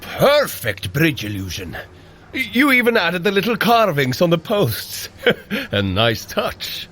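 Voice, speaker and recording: A hearty, wildly animated warrior god. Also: male voice, high voice, takes it slowly, heavily acted. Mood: wry, watchful. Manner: earnest, commanding, encouraging. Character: hearty, noble warrior god, protective and encouraging brother. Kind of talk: scripted audio adventure acting.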